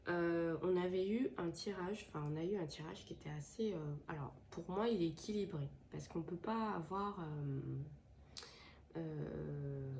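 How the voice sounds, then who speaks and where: A woman talks to her viewers, her voice stuffy from a head cold. She sits a little low in pitch with a dark, mellow tone. She hesitates often and restarts her sentences, with a faint hum of background noise. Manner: hesitant, many fillers and restarts. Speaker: tarot and crystal channel host. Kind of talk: casual spoken advice to viewers. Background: washing machine running.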